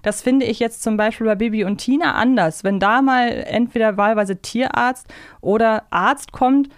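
Clear-voiced woman chatting, close and dry. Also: a little high, moderate pace, dry recording. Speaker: podcast co-host. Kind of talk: casual chat.

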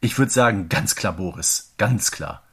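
A man's voice: fairly low pitch, animated, measured pace, fairly bright tone, husky. A man co-hosting a podcast, chatting informally about an audio drama series. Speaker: podcast co-host.

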